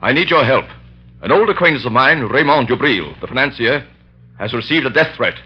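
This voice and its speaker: A man's voice: medium pitch, animated, fairly quick, slightly rough. An actor playing a troubled male surgeon who speaks earnestly, in 1930s radio drama style. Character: worried male surgeon seeking help. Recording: dull old radio recording.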